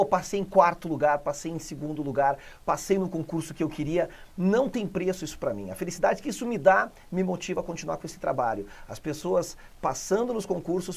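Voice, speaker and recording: An energetic male teacher from Brazil runs a chatty exam-prep lesson, stressing points with emphasis. His voice has a gravelly edge and a dark, mellow tone. He is recorded close to the mic. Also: sits high. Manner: enthusiastic, chatty, emphatic, explains step by step.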